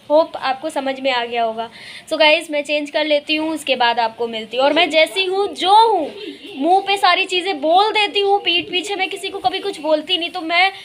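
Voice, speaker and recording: A woman's voice: high-pitched, fairly bright tone. A young woman vlogging outdoors in a rainy park, talking defiantly to camera about negative commenters. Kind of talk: casual vlog talk to camera.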